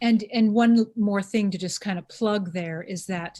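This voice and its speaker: On a very clean recording with a silent background, a somewhat breathy woman speaks at a medium pitch and a fairly slow pace. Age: 60s. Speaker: podcast co-host, healer. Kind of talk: casual chat. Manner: halting, many repetitions.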